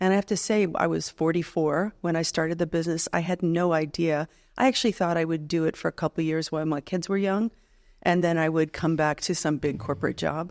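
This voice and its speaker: An unremarkable speaking voice with an American accent moves at a fairly quick pace and very even loudness. The sound is dry and close with no echo, over a quiet background. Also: woman, fairly low pitch for a woman, fairly even intonation. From US South, Middle Georgia. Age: 60s. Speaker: executive coach. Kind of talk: podcast interview.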